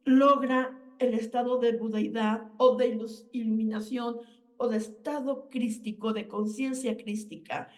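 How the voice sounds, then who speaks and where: A woman's voice: on the high side, darkish tone, recorded from a distance. A woman giving an earnest, lecturing spiritual talk as a radio host.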